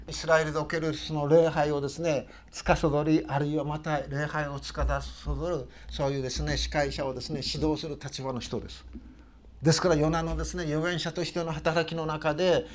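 An older man preaching a sermon as a pastor, telling the story with frequent "desu ne" fillers and sudden loud bursts when he acts out quoted lines. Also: fairly high pitch, steady tone, a little fast.

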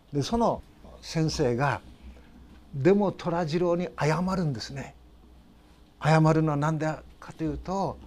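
A man's voice: a little high, a little mellow. An older man preaching a sermon as a pastor, with a Tochigi accent, earnest and emphatic, often ending sentences on a rise. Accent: Tochigi Japanese. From Tochigi, Japan. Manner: earnest, emphatic, with rising sentence ends and tag questions.

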